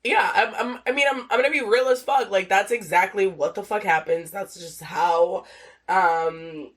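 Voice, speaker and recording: A woman's voice: medium pitch, moderate pace. A young adult woman hosting a casual solo podcast, rambling with lots of fillers and swearing, a little nasal and sniffly from a cold. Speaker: podcast host.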